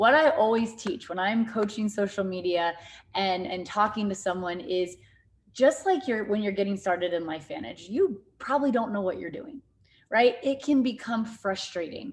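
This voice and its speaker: Lively intonation marks this woman's fairly high-pitched, somewhat breathy voice. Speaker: network marketing leader. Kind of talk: online training presentation. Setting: video call. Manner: fast.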